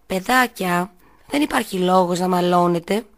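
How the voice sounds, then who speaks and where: A woman voicing a patient mother who calmly admonishes her children. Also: on the low side, natural voice. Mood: gentle. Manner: soothing, admonishing.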